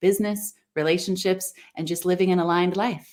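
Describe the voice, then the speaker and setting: A woman's medium-pitched voice at a moderate pace. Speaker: vocal empowerment coach. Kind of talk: interview answer. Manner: enthusiastic.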